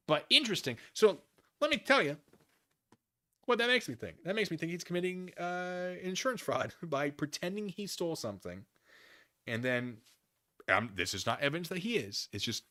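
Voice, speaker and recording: A man hosting a live stream, reading documents aloud and commenting casually with conversational, animated asides. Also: medium pitch. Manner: conversational, animated asides, acts out imagined dialogue.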